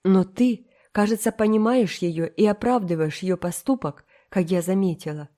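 A woman's voice: mid-range voice, moderate pace, warm tone, lightly acted. A woman voicing a stern, strict older spinster in an audiobook, speaking in a firm, scolding, clipped way. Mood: exasperated.

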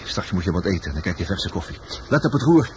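An actor in a Dutch radio play playing a world-weary, blunt lover and sailor, terse and fatalistic. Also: male voice, deep voice, very animated, fast. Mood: tender, lively. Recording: dull, noisy old radio drama recording.

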